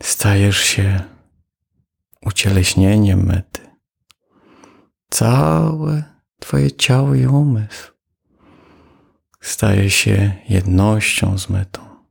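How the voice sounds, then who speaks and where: A man guiding a loving-kindness meditation, speaking calmly with long pauses. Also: lowish voice, vocal fry, husky. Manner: slow, calm, with long pauses. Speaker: meditation teacher. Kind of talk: guided metta meditation.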